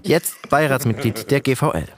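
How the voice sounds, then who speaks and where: A man's voice: mid-range voice, normal speed, crowd noise. A man reading a scripted podcast introduction as narrator.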